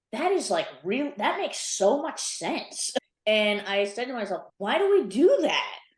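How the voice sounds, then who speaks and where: Audible room echo surrounds a woman whose pitch swings very widely as she speaks at a fairly slow pace. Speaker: makeup content creator. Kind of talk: casual chat.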